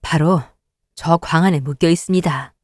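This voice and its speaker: A woman's voice: low voice, normal speed, darkish tone, no echo, studio quality, pitched below the performer's own voice. A woman voicing a proud, defiant woman in black with a stern, dignified manner. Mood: formal.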